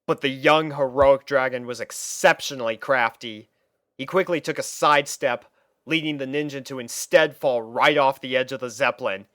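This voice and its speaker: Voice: mid-range voice, normal speed, a bit bright, no echo, clean studio sound. A narrator reading a story aloud from a script. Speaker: fan fiction reader and narrator.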